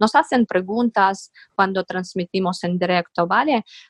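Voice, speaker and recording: A woman's medium-pitched voice with a Russian accent and ordinary pitch variation, fairly slow, dry and close with no echo. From Russia, Moscow. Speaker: Instagram marketing agency founder. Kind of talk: interview. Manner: halting, many fillers.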